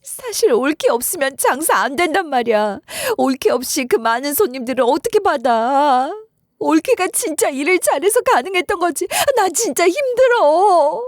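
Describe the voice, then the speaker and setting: A woman's voice: high-pitched, sing-song, normal speed, dry recording, studio quality, pitched above the performer's own voice. A woman playing a groveling, desperate sister-in-law. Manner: pleading, apologetic. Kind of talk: story radio voice acting.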